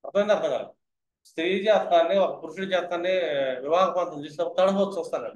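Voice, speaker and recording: A man's voice: high voice, fairly even intonation, racing, reverberant, lo-fi sound. A man teaching astrology in a lecture style, who keeps asking his listeners whether they have understood.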